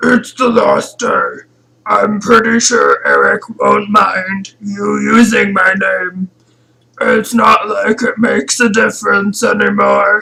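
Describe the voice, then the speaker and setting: Putting on a character voice, a man sounds gravelly and raspy. He goes at a fairly slow pace. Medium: actual play. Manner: flat, deadpan.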